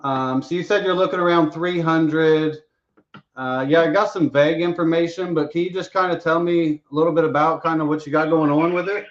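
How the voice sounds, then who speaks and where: Laid-back guy on a call, kinda high voice, roomy and a bit muffled. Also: fairly even intonation, a little fast. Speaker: real estate investor making calls. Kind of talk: casual live-stream chat and cold calling. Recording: echoey room, dull sound.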